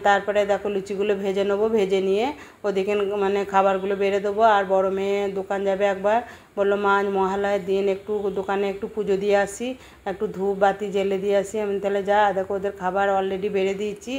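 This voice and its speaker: Her voice is mid-range with a darkish tone as this middle-aged woman, a homemaker who vlogs, describes her day at home. She talks straight to her viewers in a casual way, repeating phrases to stress them.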